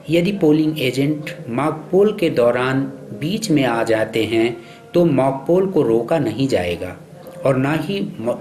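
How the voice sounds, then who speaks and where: With music underneath, a man's medium-pitched, darkish voice works through the scripted lines of a training film. He keeps it formal, steady and instructive.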